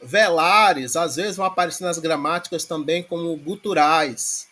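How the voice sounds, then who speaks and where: A man's voice: a little high, moderate pace, bright, forceful tone. A man teaching a class, explaining grammar step by step and often checking in with his students. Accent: Brazilian Portuguese. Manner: explains patiently with many filler checks like "né?". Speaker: Greek language teacher. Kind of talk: online lecture on grammar.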